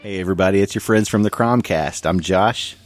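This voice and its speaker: A male podcast host introduces things in a casual, chatty style. His voice is deep and conversational. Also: brisk, over loud music.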